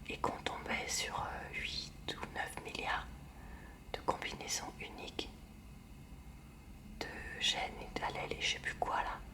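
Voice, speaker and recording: A woman reading a textbook aloud in a hushed library whisper for ASMR, with short informal asides. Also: far from the mic.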